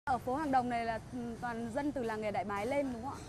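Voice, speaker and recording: A woman with a high, quick voice interviews locals politely and deferentially as a television reporter. Clear street noise sits behind her. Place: busy shopping street.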